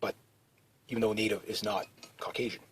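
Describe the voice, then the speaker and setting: A man's voice: lowish voice, steady tone, a little fast, a bit bright, slight background noise. A man talking in a rambling, casual monologue, full of restarts and fillers. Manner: meandering, many restarts and "you know" fillers. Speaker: video blogger.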